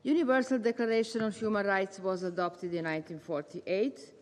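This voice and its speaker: A woman, a retired English teacher giving a measured, formal prepared speech as a volunteer. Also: mid-range voice, fairly even intonation. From Serbia. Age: 70s. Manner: measured, formal delivery with careful phrasing. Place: large meeting hall. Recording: long hall reverb.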